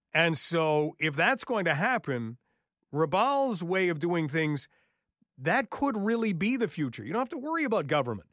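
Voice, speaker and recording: A man's voice: on the high side, fairly bright tone, dry recording, clean studio sound. A male radio host interviewing a guest, upbeat and encouraging.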